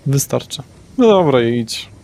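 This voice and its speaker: A man's voice: mid-range voice, big pitch swings, unhurried, a little mellow, slight background noise. Brief: a man playing a bored warehouse worker, offhand and grumbling, everyday voice.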